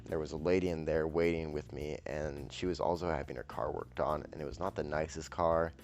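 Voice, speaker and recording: Deadpan man with a very deep voice. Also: brisk, a little hiss or hum. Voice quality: monotone, deadpan. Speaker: storyteller. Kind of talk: deadpan monotone storytelling. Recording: faint background music.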